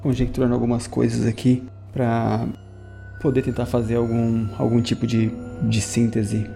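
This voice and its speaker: A man's voice: mid-range voice, completely flat delivery, normal speed, gravelly, warm tone, faint music behind. A man talking casually as a player in a tabletop role-playing session.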